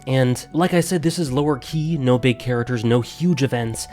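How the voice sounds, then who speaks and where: A man hosting a casual video review, his voice nasal and rough from being sick, talking in a chatty, enthusiastic way with frequent fillers. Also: medium pitch, moderate pace, a little mellow, faint music behind. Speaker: anime reviewer, channel host.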